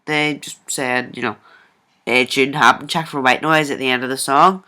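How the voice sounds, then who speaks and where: A man hosting a casual coding screencast, thinking aloud informally and haltingly as he works at his computer. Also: mid-range voice, fairly even intonation, sharp tone. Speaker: programming tutorial host. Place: indoors at a computer, screen recording.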